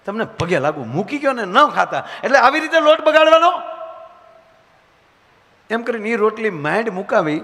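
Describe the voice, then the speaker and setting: A man's voice: very high voice, a bit bright. A man telling teasing comic stories on stage before a live audience. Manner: chatty, teasing, acts out scenes. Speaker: folk comedian at a dayro. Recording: live stage hall with faint noise.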